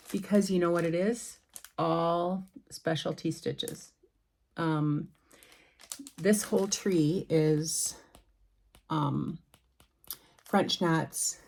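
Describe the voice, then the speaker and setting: A woman's voice: low voice, a little mellow, a little hiss or hum. A middle-aged woman chatting casually at home about her cross-stitch patterns, rambling with many ums and restarts. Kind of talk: casual show-and-tell chat.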